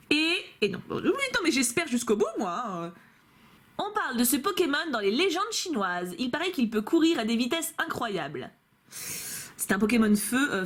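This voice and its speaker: Bubbly young woman vlogger in her twenties, pitch swooping all over, gushing casual chat. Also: slight background noise. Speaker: YouTuber opening trading cards.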